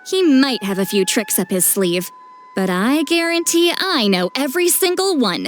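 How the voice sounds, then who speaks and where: High-voiced, self-assured tribal mentor. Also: female voice, big pitch swings, moderate pace. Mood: confident, explanatory. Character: youthful-sounding female tribal mentor, self-assured yet caring. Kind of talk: anime game voice acting. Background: music.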